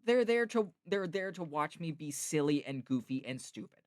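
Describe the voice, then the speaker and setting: Playful man with a lively voice. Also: a little high, normal speed, no room sound, studio quality. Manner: relaxed, playful, self-mocking. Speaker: streamer and voice actor. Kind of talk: casual chat.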